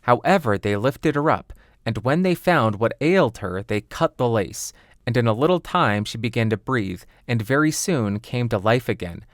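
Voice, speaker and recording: A man's voice: mid-range voice, lively intonation, moderate pace, no echo. Man narrating a fairy tale, close dry sound. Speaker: audiobook narrator.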